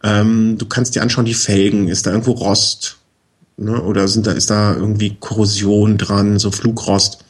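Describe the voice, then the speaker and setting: Guesting on a casual chat, a man with a fairly low, breathy-edged voice shares practical bicycle advice at a normal speed. He's relaxed, goes step by step, and frequently checks in with "ne?" and fillers.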